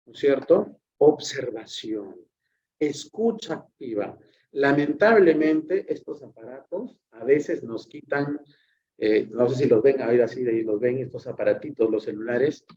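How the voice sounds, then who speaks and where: A lecturing man with a Peruvian Spanish accent, mid-pitched and chatty, who drifts off topic and acts out snippets of therapy sessions. The recording sounds slightly dull and lo-fi. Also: dark tone. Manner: chatty, digressive, acts out patient and therapist dialogue. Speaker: psychology lecturer. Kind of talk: classroom lecture.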